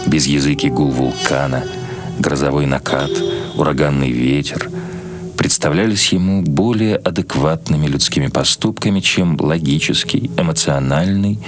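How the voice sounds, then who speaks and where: A man reading literary prose aloud as a scripted narration. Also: extremely low pitch. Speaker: narrator, reader.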